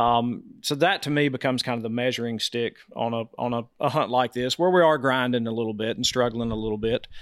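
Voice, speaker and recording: A man talks in a normal speaking voice at medium pitch, fairly quick and with hardly any pauses, his intonation fairly even. The recording is very clean against a silent background. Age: 40s. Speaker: big game hunter. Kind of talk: casual chat.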